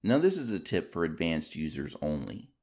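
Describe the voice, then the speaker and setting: A man narrates a scripted tutorial in a very low voice with a touch of gravel. He takes his time, and his pitch moves in a lively way as he gives each instruction. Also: normal speed.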